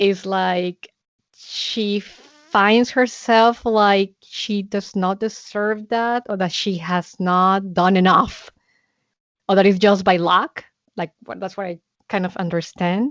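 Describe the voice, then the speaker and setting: A woman with a Spanish accent speaks very slowly at a medium pitch, her intonation fairly even. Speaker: psychotherapist. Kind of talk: casual chat.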